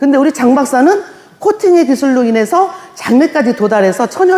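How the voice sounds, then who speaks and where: Animated and swinging very widely in pitch, a woman speaks at a moderate pace over noticeable background noise. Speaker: network marketing presenter. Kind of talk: sales pitch.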